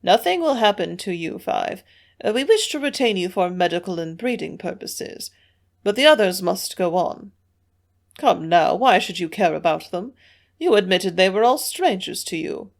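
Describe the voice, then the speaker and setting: A woman reading the part of a frail, ancient male Martian elder, speaking in a soft, high, quavering voice that stays calm and persuasive. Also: normal speed, gravelly. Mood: earnest. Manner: soft-spoken, coolly persuasive. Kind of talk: audiobook character reading.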